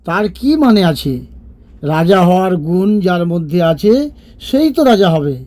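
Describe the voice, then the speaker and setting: A man acts out a fair-minded storybook king in a cartoon. His voice sits quite high for a male, yet it is soft and warm. He reasons things through with measured, thoughtful care. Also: animated. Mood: firm, confident.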